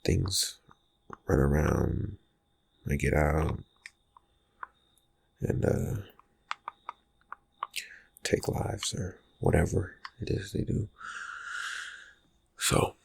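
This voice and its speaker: A man playing a reclusive, slyly menacing vampire friend in an ASMR roleplay, murmuring haltingly in a raspy, breathy voice with dry suspicion. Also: rumbling low, darkish tone, heavily acted. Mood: quietly ominous. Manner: hesitant, halting, laconic, dryly suspicious. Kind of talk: ASMR roleplay, soft-spoken character talk.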